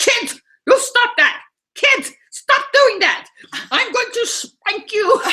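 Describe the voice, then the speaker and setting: Shouting in a put-on character voice with a German accent, the speaker uses an extremely high pitch at a very slow pace, with long, frequent pauses. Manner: yelling.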